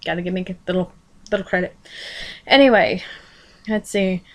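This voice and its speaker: A woman's voice: on the low side, normal speed. A woman reading fan fiction aloud in a casual style, breaking in with informal, jokey asides and swearing. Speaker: fan fiction reader and commentator. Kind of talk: casual read-aloud with running commentary.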